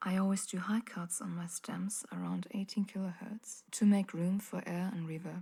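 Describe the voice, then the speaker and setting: At a moderate pace with hardly any pauses, a woman speaks in a somewhat breathy, dark, mellow tone at medium pitch with monotone, flat intonation. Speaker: music producer and vocalist. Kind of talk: tutorial. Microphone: large diaphragm condenser studio mic.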